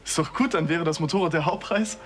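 A man's voice: a little high, quick pace, natural voice. A young man acting as a friendly, somewhat tactless character in a naturalistic TV drama, casual and conversational.

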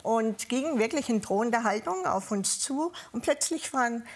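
A woman's voice: on the high side, lively intonation. Woman with a southern German accent. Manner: measured storytelling with frequent hesitations. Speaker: guest, former police officer. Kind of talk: panel talk, personal recollection.

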